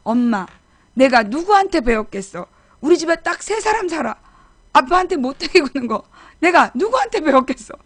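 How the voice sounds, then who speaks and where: A woman's voice: high voice, very animated, normal speed, no echo, pitched above the performer's own voice. Woman acting out a sassy teenage daughter. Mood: smug. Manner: cheeky, talking back.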